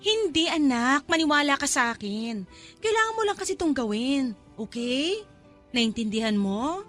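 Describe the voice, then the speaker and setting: A high-pitched Filipino mother in a radio drama. She is struggling and evasive, coaxing her child in hesitant phrases over soft background music. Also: very animated, normal speed. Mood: coaxing, uneasy. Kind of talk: Tagalog radio drama acting.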